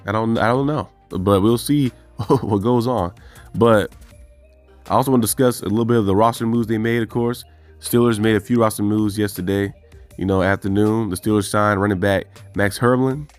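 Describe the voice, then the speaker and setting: Hosting a fan channel, a man rambles through team news in casual solo sports commentary, thinking aloud and correcting himself as he goes. His voice is fairly low and fairly quick, with no echo and soft background music.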